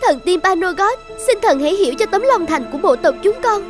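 A woman playing a devout, self-sacrificing young tribal maiden in an animated folktale, earnest and reverent. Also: extremely high pitch, brisk, soft background music. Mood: reverent pleading. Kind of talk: dubbed animated folktale acting.

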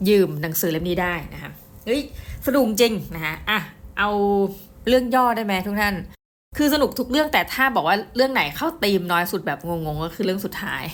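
A middle-aged woman giving a casual book review, chatty and excitable, often speaking straight to her viewers. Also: mid-range voice. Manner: chatty, addresses viewers directly, excitable storytelling.

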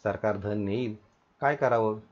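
A man's voice: on the low side, unhurried. A man voicing a clever woodcutter in a plainly read story, on a dull lo-fi recording. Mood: scheming.

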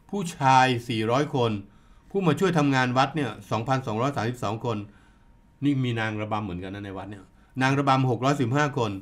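A man in casual podcast chat, telling a story with animation and reading out long figures one by one. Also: medium pitch. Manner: animated, lists figures and numbers slowly. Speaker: podcast discussant.

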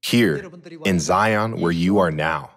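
A middle-aged man preaching a sermon at a pulpit, measured and posing rhetorical questions he then answers. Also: sits low, fairly bright tone. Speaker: pastor. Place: large church hall, at a pulpit. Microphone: podium microphones.

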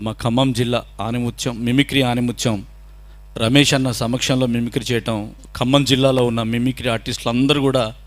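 A man's voice: medium pitch, fairly bright tone. A man from Khammam in Telangana, a mimicry artist, chatting politely with the audience between his impressions. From Khammam district, Telangana. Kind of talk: stage patter introducing impressions.

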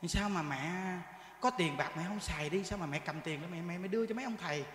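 A man acting out a grown son with a Southern Vietnamese accent, asking his mother and a monk prying questions in a hushed, wheedling way. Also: on the high side, quick pace, voice pushed down, close to an everyday voice. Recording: echoey hall.

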